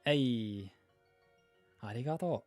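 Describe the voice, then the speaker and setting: A man's voice: medium pitch, animated, slow, a little mellow, dry recording, faint music behind. A man from Norway with a Norwegian accent, hosting a gaming livestream in laid-back, rambling chat while reading viewer comments. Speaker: livestream host.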